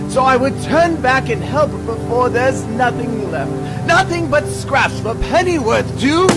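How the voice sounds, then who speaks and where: High, swooping, maniacal clown villain. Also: male voice, full character voice, poor audio. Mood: mocking glee. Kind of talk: comic-book radio drama acting.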